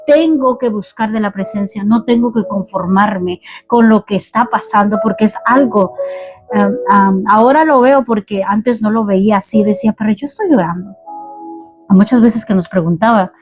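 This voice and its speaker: A woman's voice: medium pitch, moderate pace. A woman preaching a heartfelt sermon testimony, earnest and exhorting, repeating phrases for emphasis. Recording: music playing clearly behind her. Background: music.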